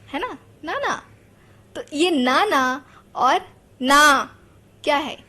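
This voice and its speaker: High-voiced chatty woman teacher. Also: fairly bright tone. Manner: chatty, asks the class rhetorical questions. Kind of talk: explaining a psychology lesson.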